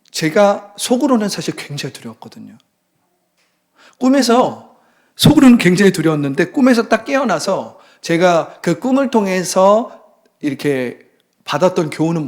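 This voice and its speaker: A man preaching a sermon as pastor, telling a story dramatically and dropping suddenly to a hushed voice, with passionate exclamations. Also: on the high side.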